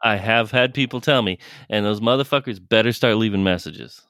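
A man's voice: fairly low pitch, a little fast, fairly bright tone, no room sound, studio quality. A man co-hosting a podcast in casual chat, often breaking into laughter. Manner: giggly, laughs easily. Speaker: podcast co-host.

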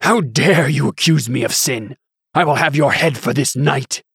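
A man voicing a shrill, panicked bishop. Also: expressive, moderate pace, slightly rough, no echo, clean studio sound. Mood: blustering outrage. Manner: shrill, pleading, blustering. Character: panicked pompous middle-aged male bishop.

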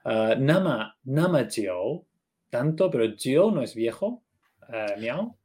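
A man's voice: medium pitch, very animated, slow pace, darkish tone. A man co-hosting a Chinese lesson podcast, asking questions and checking what he has understood in casual chat. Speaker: co-host of a Chinese learning podcast.

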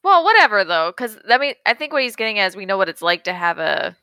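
A woman in a casual podcast chat with friends, tossing in quick jokes. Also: mid-range voice, sing-song, bright, forceful tone, smooth, no echo, studio quality. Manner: quick jokes, laughs easily.

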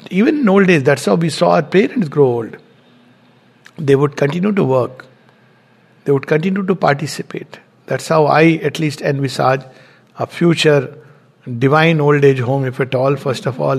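Guy giving a spiritual talk, kinda gravelly, bit high for a man, says things twice for emphasis. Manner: earnest, repeats words for stress, soft laughs. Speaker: spiritual lecturer.

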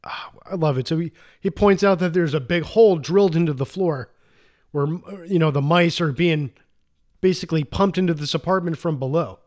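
A man's voice: a little high, moderate pace, darkish tone. A man co-hosting a casual movie podcast, recapping the plot in a rambling, enthusiastic way with frequent restarts. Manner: rambling, self-interrupting, enthusiastic. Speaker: podcast co-host.

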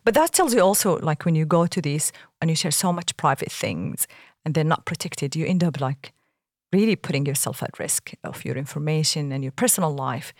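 A woman's voice: brisk, no echo, studio quality. A woman from Saudi Arabia co-hosting a podcast, telling stories animatedly and laughing often. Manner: animated storyteller, laughs often, lively pitch jumps. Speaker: podcast co-host. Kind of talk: casual podcast conversation.

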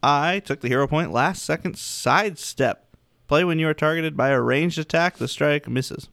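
A man's voice: a little high, moderate pace, creaky, a bit bright, no echo, studio quality. A man playing in a tabletop role-playing game, slipping between in-character banter and casual chat.

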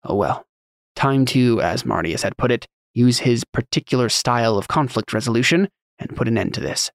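Male narrator as stern worksite overseer; curt, wry, mid-pitched with gravel, fantasy audiobook. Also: animated, moderate pace, no room sound, clean studio sound. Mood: wry, resigned. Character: stern, weary male overseer with quiet authority.

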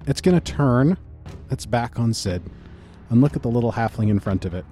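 A man running a tabletop game as game master, calmly describing the action and explaining the rules. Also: medium pitch, moderate pace, soft background music.

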